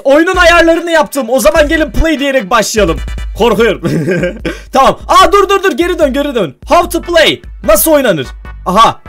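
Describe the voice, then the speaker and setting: A young man chatting through a let's-play with a very high voice that leaps all over. He talks straight to his viewers, jumpy and quick to yelp when scared. Faint music plays behind him. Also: fairly bright tone. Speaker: gaming YouTuber. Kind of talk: casual let's-play commentary.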